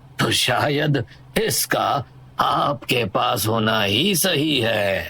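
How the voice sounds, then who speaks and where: A put-on character voice at a very slow pace over light background noise. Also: man, medium pitch for a man. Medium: audio drama. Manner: hesitant.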